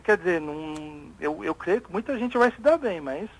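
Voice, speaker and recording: A man's voice: high-pitched, animated, moderate pace, rough recording. A Brazilian man co-hosting a radio talk show, chatting casually with many restarts and reading news items aloud. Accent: Brazilian Portuguese.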